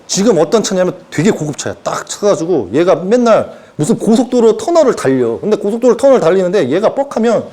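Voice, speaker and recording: Lively high-voiced man preaching. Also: fairly quick, few pauses. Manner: animated, acts out characters in put-on voices. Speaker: self-styled prophet preaching. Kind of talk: informal sermon lecture.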